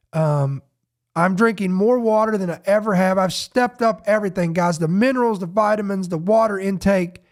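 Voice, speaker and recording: Sniffly high-voiced man hosting a podcast. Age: adult parent. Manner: rambling, off-the-cuff, many restarts. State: sniffly with a head cold. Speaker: podcast host. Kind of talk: casual news podcast chat.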